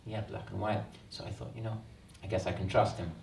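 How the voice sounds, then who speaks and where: Deep, flat Australian man speaking in a hall. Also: quick pace, creaky, a little hiss or hum. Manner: earnest, reflective, frequent ums. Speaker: author. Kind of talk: book launch talk. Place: event hall. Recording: roomy hall sound, mic at a distance.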